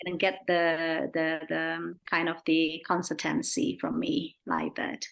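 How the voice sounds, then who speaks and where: Slow-spoken Burmese woman, gentle nun. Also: low-pitched, big pitch swings, creaky. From Burma. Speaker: Buddhist nun, interview guest. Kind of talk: casual interview answers.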